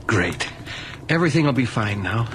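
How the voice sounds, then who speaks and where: An actor playing a lonely, pleading young ghost in a radio drama, coaxing and intimate in manner. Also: male voice, medium pitch, very animated, moderate pace, background noise, natural voice. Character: soft-spoken, pleading, eerie young man, a lonely ghost.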